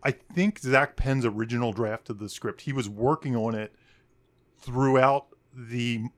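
A man chatting on a podcast in a loose, rambling way, often restarting his sentences. He pokes fun at himself as he goes. His pitch sits in the usual middle range for a man. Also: fairly even intonation, measured pace. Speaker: podcast co-host. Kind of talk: casual chat.

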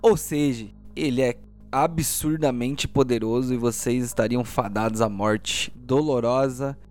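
A man working as game master, narrating a dark tabletop roleplay session with dramatic weight. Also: medium pitch, a little slow, faint music behind.

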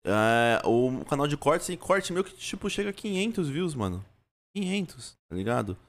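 A man's voice: fairly high pitch, big pitch swings, normal speed. A young man with a Brazilian Portuguese accent chatting casually as a podcaster, slangy, often repeating phrases and restarting. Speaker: podcaster and streamer.

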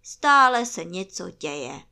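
A woman voicing a gloomy, grumbling old male donkey who speaks slowly and mournfully. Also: fairly low pitch, big pitch swings, gravelly, sharp tone, full character voice. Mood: self-pitying. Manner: mournful, slow and self-pitying.

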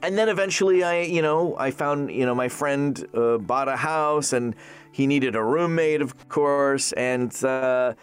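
Canadian-raised voice actor guy rambling in an interview, lotsa uh and you know, quiet music underneath. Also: medium pitch, unhurried, clear, resonant tone. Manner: rambling, many restarts and fillers. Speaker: voice actor guest. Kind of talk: casual interview chat.

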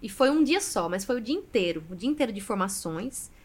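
A woman's voice: medium pitch, a little fast. A woman, a guest Catholic singer telling her story expressively in a casual podcast interview. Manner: expressive storyteller, often adds "né".

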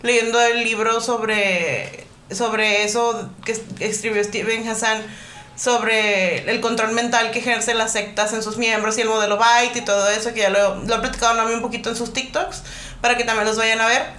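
A woman co-hosting a podcast, explaining things in a measured way with fillers. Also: on the high side, steady tone, bright, forceful tone, echoey room, slight background noise. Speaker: podcast co-host. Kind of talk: casual podcast chat.

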